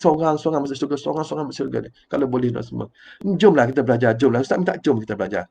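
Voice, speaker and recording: Talking very fast in a dark-toned, mid-range voice with vocal fry, this older man, a preacher with a Malaysian Malay accent, gives a live-streamed religious talk. It's rambling, repetitive and emotional, with him naming himself by his title in the third person, over a little hiss or hum.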